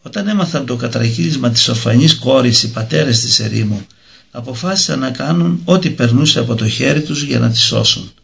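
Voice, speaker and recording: A man narrating a religious story in a slow, measured reading. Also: mid-range voice, vocal fry, a bit bright. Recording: dull lo-fi recording.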